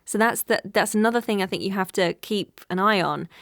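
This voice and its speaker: A woman voice actor speaking candidly as a podcast guest, animated and quick to laugh. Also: medium pitch, dry recording, studio quality. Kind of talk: conversational interview.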